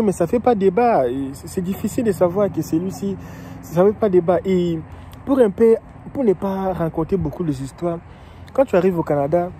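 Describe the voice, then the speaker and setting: An immigration vlogger and coach from the Democratic Republic of the Congo talks through immigration questions in a casual explanatory monologue. His tone is very dark and mellow on a slightly raised pitch, and he goes slowly, repeating himself, pausing on fillers, and restarting often. Faint city traffic hums behind him outdoors.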